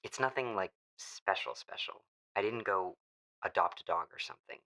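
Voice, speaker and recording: Low-voiced playful young man. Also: normal speed, pushed and bright. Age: young adult. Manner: playful, teasing, laughing often. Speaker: ASMR roleplay creator. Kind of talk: ASMR boyfriend roleplay.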